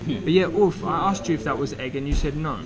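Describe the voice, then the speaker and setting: A man vlogging on a road trip, chatting with friends and shouting excitedly at high speed, recorded on an action camera. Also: a little fast, crowd noise. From England. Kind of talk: casual travel vlog chat. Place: inside a car and a restaurant. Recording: loud music under the voice.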